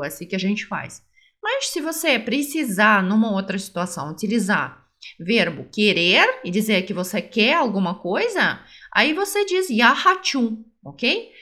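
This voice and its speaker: A woman teaching phrases on a podcast, modelling each one slowly and carefully and repeating it for the listener. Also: a little high, pushed and bright. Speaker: language teacher. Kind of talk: podcast language lesson.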